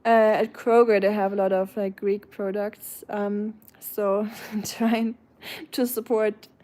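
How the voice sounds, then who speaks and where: A woman from Germany's Black Forest with a German accent, chatting casually with viewers on a livestream, warm and chatty with fillers and soft laughs, her voice trailing quietly at phrase ends. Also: mid-range voice, little pitch movement, slow. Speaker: livestream host. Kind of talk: casual chat, reading viewer comments aloud.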